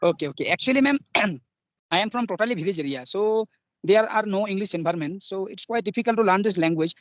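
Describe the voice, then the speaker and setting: A man's voice: high voice, animated, fast talker, no room sound. A young man from West Bengal with a Bengali accent, a Bengali speaker talking in simple learner English with many fillers, interviewed on a video call. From West Bengal, India. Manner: hesitant, many fillers, simple broken grammar. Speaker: soldier, English learner guest.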